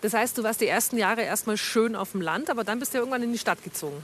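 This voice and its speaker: A woman's voice: on the high side, very fast, a little hiss or hum. A woman from Augsburg, a reporter presenting a documentary and asking curious, friendly questions. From Germany, Augsburg.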